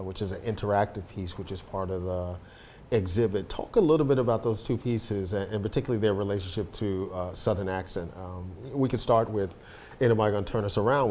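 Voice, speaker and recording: A man hosting a studio interview show, asking long measured questions with many fillers. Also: fairly low pitch, a little mellow, slight background noise. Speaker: podcast host.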